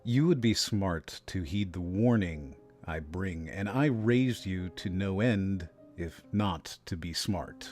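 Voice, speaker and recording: Stern businessman ghost in chains , male actor, grave and theatrical, very slow low delivery, music underneath, for audio drama. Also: darkish tone. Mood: grave, ominous. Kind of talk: fan audio drama acting.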